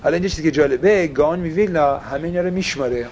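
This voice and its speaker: A man's voice: on the high side, a little mellow, slight background noise. A man teaching a casual religious class, asking his listeners questions and slipping English phrases into his talk.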